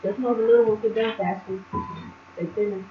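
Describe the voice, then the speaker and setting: A woman keeps up quick, teasing banter with family in the kitchen. She talks fast and casually at a middling pitch. The sound is dull and muffled, like a home video. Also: steady tone, echoey room, soft background music. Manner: quick talker, chatty and teasing. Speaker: family member co-host.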